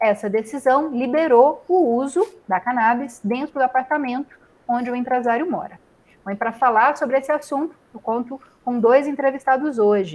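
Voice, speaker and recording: This woman speaks at a moderate pace in a high voice, with ordinary pitch variation. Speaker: TV talk show host. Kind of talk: remote TV interview. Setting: remote video call.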